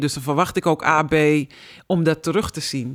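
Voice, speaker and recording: A woman with an ordinary speaking voice, fairly low in pitch, with ordinary pitch variation, a fairly quick pace and a very clean recording with a silent background. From Suriname. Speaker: podcast host. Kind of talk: interview conversation.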